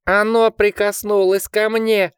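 A man's voice: level tone, unhurried, clear, resonant tone, dry recording, studio quality. A man reading an audiobook voices a terrified teenage boy shrieking in panic. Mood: panicked. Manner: shrill, panicked.

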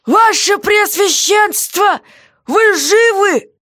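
A woman voicing a gruff, grunting male jailer who yells and blusters but sounds unsure of himself. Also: very high voice, slow, no room sound, studio quality, pitched above the performer's own voice, full character voice. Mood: yelling. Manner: yelling, blustering.

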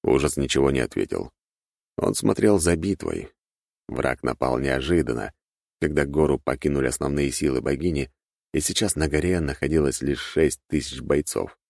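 A man narrating a fantasy audiobook in a steady, even reading voice, recorded close to the mic. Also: extremely low pitch, normal speed, vocal fry, no room sound.

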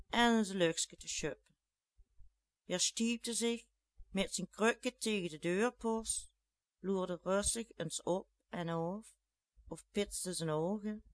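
A Flemish dialect storyteller reading a tale at a very slow, deliberate pace. The voice sits mid-pitched, and the recording is dry and close with no room sound. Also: no echo.

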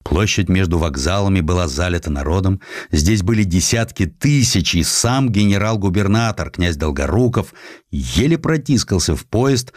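A man with a fairly low voice narrates a historical tale in a dry, close recording. His delivery is expressive storytelling with very lively intonation, shaped like a dramatized audiobook. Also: dry recording. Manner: expressive storytelling with acted quotations.

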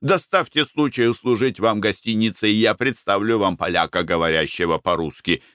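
A man voicing a pushy, fawning hotel tout who chatters without pause, in a raised voice. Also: on the low side, fairly bright tone, smooth, no room sound, clean studio sound, close to an everyday voice.

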